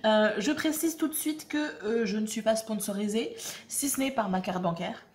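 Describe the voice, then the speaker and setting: A woman's voice: medium pitch, normal speed, music in the background. A woman, hosting a tarot channel and presenting a deck in a chatty, self-mocking way with many fillers. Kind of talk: casual presentation to camera.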